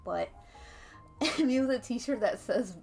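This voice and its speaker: A young woman's gravelly, slightly high voice moves at a slow pace as she draws on stream, chatting casually and rambling to her chat with frequent laughter. Her nose sounds congested, and faint calming jazz plays softly.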